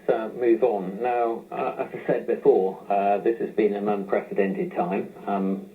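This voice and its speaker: A man giving a corporate presentation as a chief executive, phrasing things deliberately with frequent hesitations. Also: lowish voice. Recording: tinny, narrow phone-line sound.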